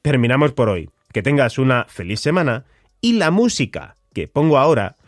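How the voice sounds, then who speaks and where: Lively-voiced Spanish-speaking man hosting a podcast. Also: mid-range voice, dry recording, studio quality. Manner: reads questions and promotions in a lively, measured voice. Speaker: podcast host. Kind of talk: scripted podcast narration.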